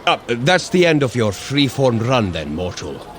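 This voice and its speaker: An actor playing a hearty, impatient, good-natured warrior god in a scripted audio adventure, with blunt, theatrical, old-fashioned phrasing. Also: male voice, medium pitch, sing-song, a little slow, a bit bright, slight background noise. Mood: instructing. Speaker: fitness workout guide character.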